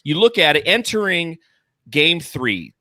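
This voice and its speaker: A man hosting a sports podcast, hyping up his team with playful banter and drawn-out emphasis. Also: on the high side, very animated, sharp tone, no echo, studio quality. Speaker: podcast host.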